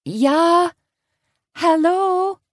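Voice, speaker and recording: A woman voicing a cheerful grown woman revisiting her childhood camp, light and softly wistful. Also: medium pitch, animated, a little slow, no room sound, clean studio sound, pitched above the performer's own voice. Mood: bright.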